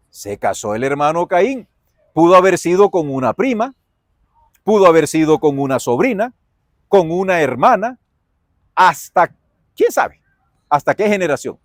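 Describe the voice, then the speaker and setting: A man with a Colombian accent teaching a Bible lesson as a pastor, in a folksy, animated way that asks and answers his own questions. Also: high voice, dry recording, studio quality. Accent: Colombian Spanish.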